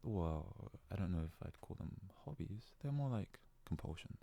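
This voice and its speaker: A man playing a devoted, self-abasing young yandere fox-boy servant in an ASMR roleplay, worshipful and hesitant, often slipping into breathy whispers. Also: low-pitched, lively intonation, normal speed, dark tone, exaggerated voice. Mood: eager devotion. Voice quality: husky, gravelly, breathy, often dropping to a whisper.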